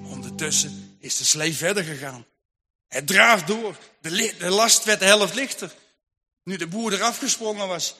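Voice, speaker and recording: A man narrates a Christian tale with hushed, suspenseful drama. His voice is high and bright. It rings in a large hall with a long reverb over faint music. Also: normal speed. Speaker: storyteller.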